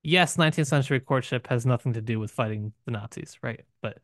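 Male podcast co-host, medium pitch, casual bookish discussion, halting and questioning delivery, dry recording. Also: fairly bright tone, dry recording. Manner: musing, poses rhetorical questions, halting with filler phrases.

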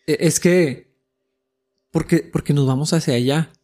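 A man's voice: a little high, warm tone. A man talking casually about faith, searching for words and often restarting his sentences. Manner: searching, halting, many restarts.

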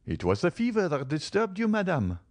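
A man reading an audiobook, voicing a formal, composed father who answers in a measured, placating way. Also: high-pitched, huge pitch swings, no echo, clean studio sound, pitched above the performer's own voice, heavily acted.

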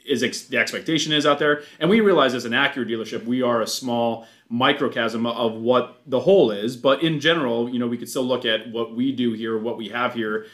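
A man co-hosting a casual podcast from a car dealership, chatty and full of fillers, quick to agree with his partner. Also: medium pitch, a bit bright.

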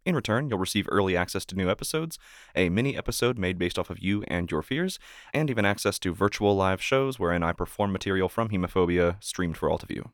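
A man reading a scripted podcast introduction and narration in a measured, formal way as host. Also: low-pitched, animated, no echo, clean studio sound.

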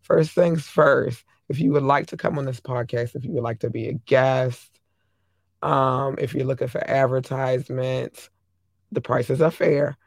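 A hoarse podcast host chatting casually, affectionately shouting out listeners country by country. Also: medium pitch, fairly even intonation, a little slow, no echo.

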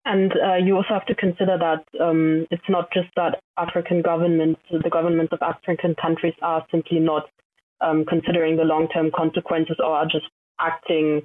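Brief: young woman panelist, flat delivery, dry tinny call audio. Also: sits low, moderate pace, no echo. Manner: explanatory, with frequent ums.

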